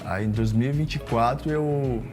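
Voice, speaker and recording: A man's voice: mid-range voice, normal speed, over music. Man telling his story. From Maranhão, Brazil. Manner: relaxed storytelling, uses "galera" and "cara". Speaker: gospel singer guest. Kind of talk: casual testimony interview.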